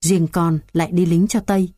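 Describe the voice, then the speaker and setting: A woman's voice: on the low side, steady tone, normal speed, warm tone, dry recording, studio quality, natural voice. A woman reading the lines of an old village landowner, earnest and anxious. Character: worried old village landowner, elderly man.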